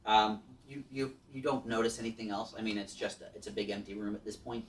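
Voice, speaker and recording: A man's voice: on the low side, level tone, quick pace. A man narrating a tabletop game as game master, hesitant and full of restarts. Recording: distant mic, faint background noise.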